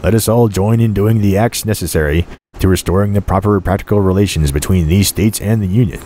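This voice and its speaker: A man reads a historical political speech aloud as formal oratory, with measured, deliberate phrasing. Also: deep voice, mellow.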